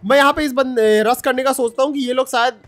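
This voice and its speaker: A young man narrating his own gameplay in a chatty, excited voice-over, talking straight to his viewers. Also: very high-pitched, fast, soft background music. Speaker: gaming YouTuber.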